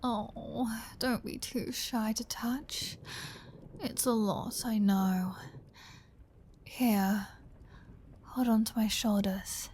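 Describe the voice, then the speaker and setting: A woman playing a flirty, predatory vampire in an intimate ASMR roleplay, teasing and dominant, often dropping into a breathy whisper. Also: on the high side, fairly even intonation, drawn-out words, pauses often, darkish tone, slight background noise. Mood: pleased, seductive. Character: flirty, predatory female vampire toying with a hunter.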